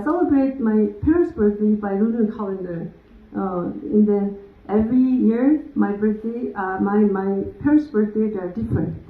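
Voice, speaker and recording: A young woman from South Korea with a Korean accent, giving a lecture in English with many fillers and frequent laughs. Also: medium pitch. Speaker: guest lecturer. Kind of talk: lecture to a live audience. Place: lecture room. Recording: tinny phone-like sound in an echoey room.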